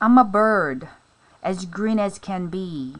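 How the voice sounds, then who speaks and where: A woman's put-on character voice, medium in pitch, at a very slow pace. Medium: read story.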